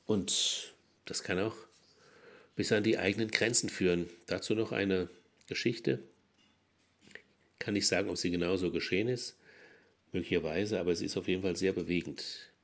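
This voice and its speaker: Male pastor, low husky voice, earnest sermon with swelling emphasis. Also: fairly even intonation, normal speed, long pauses. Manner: earnest preaching with strong swells in loudness and pitch.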